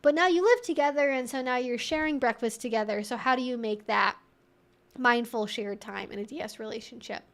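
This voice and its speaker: A woman's voice: on the high side, brisk. A woman hosting a casual Q&A, giving conversational advice in an informal, rambling way with frequent asides. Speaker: livestream host and relationship educator answering viewer questions.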